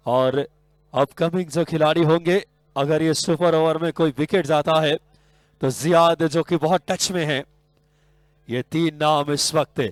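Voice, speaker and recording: Male cricket commentator, Hindi accent, fairly high, smooth dry voice, excitable play-by-play. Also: dry recording. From India. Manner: excitable, rising sharply on big shots. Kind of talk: live sports commentary.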